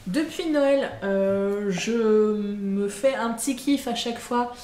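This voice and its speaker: A woman's voice: medium pitch, slow pace, dark tone. A woman chatting casually in a vlog recorded at home on camera, hesitant, with lots of fillers and self-corrections. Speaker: vlogger. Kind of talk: casual monthly vlog chat. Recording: echoey room with faint background hum.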